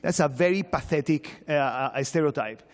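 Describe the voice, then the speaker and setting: A man's voice: a little high, moderate pace. A man from Venezuela with a Venezuelan Spanish accent, a professor speaking informally and emphatically at a conference, with humor, repetition and rhetorical questions. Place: large conference hall. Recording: echoey hall, long reverb.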